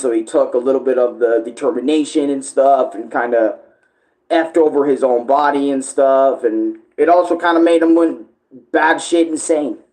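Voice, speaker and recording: Male streamer, mid-pitched, informal and rambling, halting as he searches for phrasing. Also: a little mellow, rough recording. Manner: halting, searching for words, self-correcting. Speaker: online video creator and live streamer. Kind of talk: casual rambling livestream chat.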